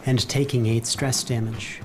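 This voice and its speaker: A man giving clear descriptive narration as game master of a tabletop role-playing game. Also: mid-range voice, little pitch movement, measured pace, background noise.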